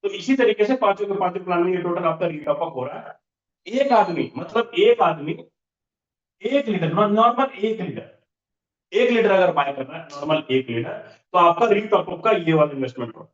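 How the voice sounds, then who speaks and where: A man running an online business training session, repeating figures as he walks through the sums step by step. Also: fairly high pitch. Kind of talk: online training session explaining income plans. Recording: roomy, dull lo-fi online call audio.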